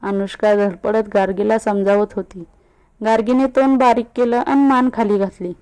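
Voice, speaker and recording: A woman narrating a love story in an even, unhurried storytelling manner. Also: medium pitch, clear, resonant tone.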